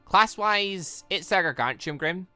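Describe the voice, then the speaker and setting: A man voicing a serious, guarded young female hunter in a visual novel, measured and matter-of-fact. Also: sits high, lively intonation, sharp tone, clean tone, no room sound, faint music behind, pitched above the performer's own voice, heavily acted. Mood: serious, subdued. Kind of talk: visual novel dialogue reading.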